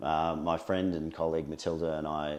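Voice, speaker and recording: This man has an Australian accent. His pitch is very deep and low. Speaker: police crisis negotiator. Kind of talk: casual interview chat. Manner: halting, many fillers.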